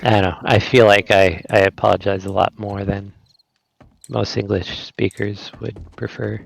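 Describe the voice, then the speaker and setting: A man's voice: fairly low pitch, little pitch movement, normal speed, vocal fry, no echo, rough recording. A man on a stream chatting in a laid-back, joking, somewhat hesitant way. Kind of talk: casual stream chat.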